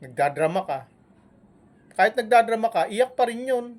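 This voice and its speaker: A man scolding and mocking a rival on a live stream, with taunting jabs and long humming pauses between them. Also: sits high, expressive. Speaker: vlogger.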